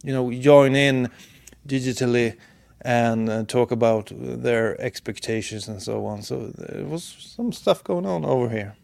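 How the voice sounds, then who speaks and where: Gravelly man rambling on a podcast. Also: medium pitch, a little slow, dry recording. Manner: rambling, trailing off into quiet asides. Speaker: podcast host. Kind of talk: casual live podcast chat.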